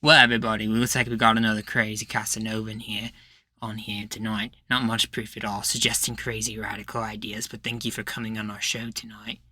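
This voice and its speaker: A man's voice: fairly low pitch, flat delivery, brisk, sharp tone, dry recording. A man playing a smug, dismissive podcast host in a futuristic roleplay, condescending and showy in a mock broadcast style.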